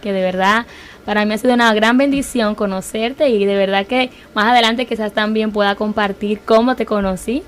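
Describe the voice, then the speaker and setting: A woman's voice: medium pitch, steady tone, fairly quick. A woman co-hosting a radio show, giving earnest, affirming devotional commentary. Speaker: radio co-host.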